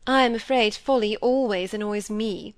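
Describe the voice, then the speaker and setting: A woman's voice: medium pitch, moderate pace, no room sound, lightly acted. A woman voicing a fussy, self-pitying middle-aged stepmother who complains and talks over others, with a dry, close sound. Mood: peevish.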